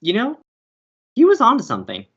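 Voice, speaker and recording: A woman's voice: fairly high pitch, huge pitch swings, fairly quick, slightly rough, lo-fi sound, full character voice. A young woman acting as a breezy, romantic and theatrical college radio co-host in an audio comedy. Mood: playful, mock-romantic. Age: young adult. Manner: playful, dramatic.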